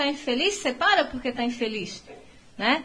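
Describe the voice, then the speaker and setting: A woman uses a raised, projected voice with very wide pitch swings at a moderate pace over noticeable background noise. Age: 30s. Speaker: history teacher and catechist. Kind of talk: casual chat; reading aloud.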